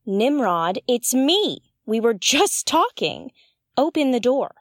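A young female space explorer in an audio drama. Her voice is fairly high and lively, recorded dry and close. She muses aloud with wry curiosity. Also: takes it slowly, no room sound, exaggerated voice. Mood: wry, exasperated. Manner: talks to herself, wry and inquisitive. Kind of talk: audio drama acting, narrating actions aloud.

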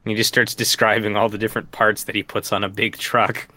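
A man co-hosting a casual podcast, chatty and quick to laugh, with plenty of fillers. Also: fairly low pitch, little pitch movement, bright, forceful tone. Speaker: podcast co-host.

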